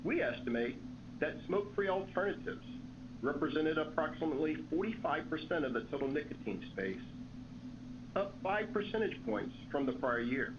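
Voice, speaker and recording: A man's voice: a little high, sing-song, moderate pace. A man reading scripted remarks as a company executive on an earnings call. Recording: dull lo-fi call audio, clear noise.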